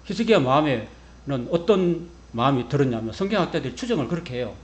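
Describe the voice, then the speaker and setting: Lively storytelling male pastor. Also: medium pitch, fast. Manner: lively storytelling, humorous, acts out quotes. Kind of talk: sermon.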